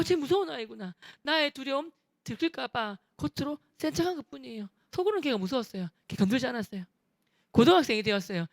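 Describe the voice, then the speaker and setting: Animated Busan man telling a testimony. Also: very high voice, no room sound, clean studio sound. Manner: lively, humorous storytelling with rough dialect quotes. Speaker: church deacon giving testimony. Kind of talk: animated testimony with acted quotes.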